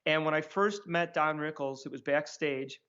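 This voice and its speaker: A man telling stories in a casual interview, acting out what people said in a higher voice. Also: normal speed, clean tone. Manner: animated, acts out quotes in a higher voice. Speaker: magician guest. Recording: dull lo-fi sound.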